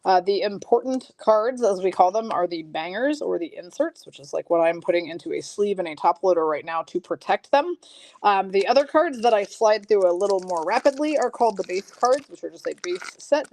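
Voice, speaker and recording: A woman's voice: mid-range voice, animated, fairly quick, a little mellow, poor audio. A woman hosting a live card break, chatting with viewers and reading off card names and teams, her voice a little froggy. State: slightly froggy voice. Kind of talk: live-streamed card break, casual chat.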